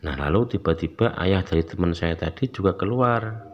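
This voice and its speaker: A man's voice: sits low, moderate pace. A man tells a true ghost story casually in the first person and acts out the quoted voices. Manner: chatty, acts out quoted voices with rising excitement. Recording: slightly dull lo-fi sound, faint background noise.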